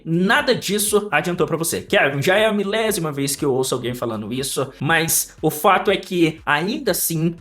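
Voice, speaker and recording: A man teaching in a lively, emphatic way, asking rhetorical questions and giving advice to learners. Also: high-pitched. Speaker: English teacher. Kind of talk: lecture to camera.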